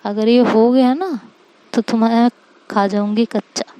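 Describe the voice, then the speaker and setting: A woman's voice: fairly high pitch, steady tone, a little slow, dry recording, dull audio, natural voice. A woman voicing a jealous, possessive young woman who coolly threatens and interrogates her wife. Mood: menacing.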